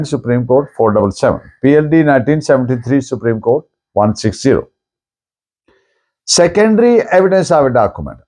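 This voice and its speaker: A man with a Pakistani accent giving an explanatory lecture in a deliberate, didactic manner, repeating key phrases for emphasis. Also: mid-range voice, warm tone. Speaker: law lecturer. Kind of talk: explanatory lecture mixing Urdu with English legal terms.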